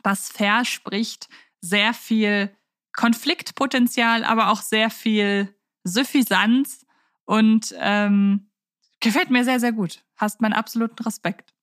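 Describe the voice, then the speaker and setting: Woman chatting on a podcast, highish voice, effusive, kinda searching for words, dry sound. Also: fairly even intonation, takes it slowly, fairly bright tone, no echo. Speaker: podcast host. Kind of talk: casual podcast chat.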